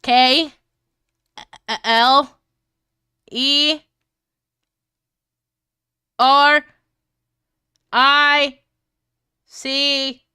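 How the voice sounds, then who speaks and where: A woman's voice: high-pitched, steady tone, very slow, long pauses, pushed and bright, no echo, studio quality. A woman reading fan fiction aloud in a casual livestream style, breaking up into giggles and swearing as she comments. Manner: crude, swearing banter.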